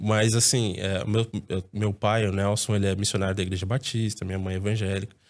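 A man speaks with a fairly low pitch. His intonation is flat, in a monotone. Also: fairly quick pace, very clean recording, silent background. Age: 30s. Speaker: journalist and sociologist. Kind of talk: casual chat.

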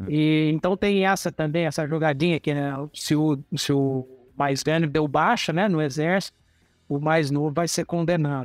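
Over music in the background, a man with a fairly high pitch speaks in very even loudness and fairly even intonation, the sound dry and close with no echo. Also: moderate pace. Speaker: agronomist and farmer. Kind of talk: interview. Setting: remote call. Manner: passionate.

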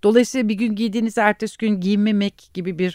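A woman at a medium pitch and a fairly quick pace, on a very clean recording with a silent background and a dry, close sound with no echo. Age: 40s. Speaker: corporate sustainability director. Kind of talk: interview. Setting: studio.

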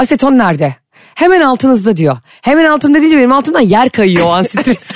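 Very fast and animated, a woman's high voice swings very widely in pitch while her loudness stays very even. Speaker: podcast co-host. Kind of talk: casual chat.

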